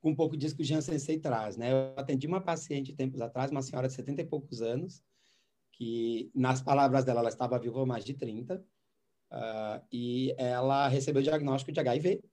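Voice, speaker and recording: A man's voice: mid-range voice, fairly quick, mellow. A man working as a doctor, telling a patient's story in casual conversation and acting out the dialogue. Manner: recounts cases and acts out the dialogue.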